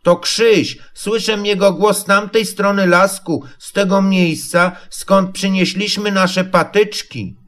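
A man voicing a small, timid piglet in a storybook reading, with a high, nervous little voice. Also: fairly even intonation, slow pace, hardly any pauses, a bit bright.

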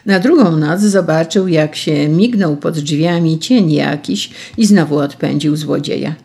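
A storyteller telling an old folk tale in a steady, measured way. The voice is gravelly, with a husky edge. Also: mid-range voice.

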